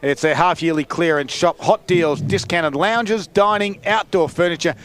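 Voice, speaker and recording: A man's voice: a little high, moderate pace, a bit bright, a little hiss or hum. A man with an Australian accent calling halftime scores at a local football match, reading sponsor ads and joking with his co-hosts. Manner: easygoing, jokes with co-hosts. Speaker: play-by-play commentator. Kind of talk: halftime sports commentary with ad reads. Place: outdoor football ground.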